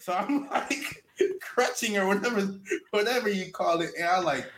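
A young man co-hosting a podcast, telling stories in a relaxed, slangy, unhurried way. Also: sits high, a little hiss or hum. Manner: laid-back slang storytelling, drawn-out. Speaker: podcast co-host. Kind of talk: casual chat.

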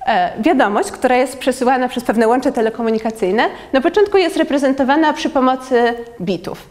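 A woman's voice: high-pitched, darkish tone. Young woman lecturing with hesitant fillers. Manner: measured, with frequent filler pauses. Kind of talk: presenting a lecture with slides.

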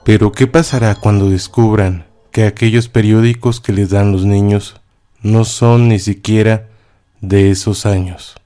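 A man hosting a horror story show, introducing the next story in a measured, scripted narration. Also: fairly low pitch, fairly even intonation, mellow. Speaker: host.

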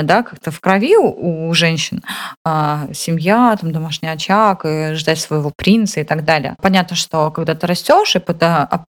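Young woman, casual chat, storytelling, fillers and restarts, podcast co-host. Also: on the low side.

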